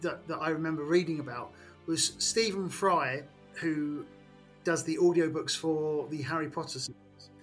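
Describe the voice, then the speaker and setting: Bright, higher-voiced English man chatting. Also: moderate pace, faint music behind. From England. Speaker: podcast co-host and game master. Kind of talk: casual chat.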